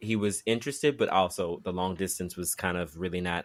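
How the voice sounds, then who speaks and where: A man's fairly low voice comes through a very clean recording, the background silent. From US South, suburban Atlanta. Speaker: singer and actor. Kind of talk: casual interview chat. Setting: podcast.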